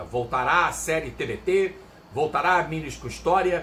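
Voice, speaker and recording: A man speaks in an unremarkable speaking voice, fairly high pitched, with ordinary pitch variation. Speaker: sports journalist. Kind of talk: casual talk to camera, channel intro.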